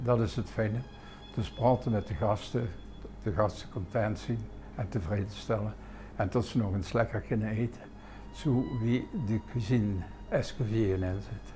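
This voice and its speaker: A man with a fairly low pitch and a dark, mellow tone speaks fairly slowly, with vocal fry. His intonation is fairly even, broken by long, frequent pauses. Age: 80s+. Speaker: restaurateur and chef. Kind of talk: interview answer.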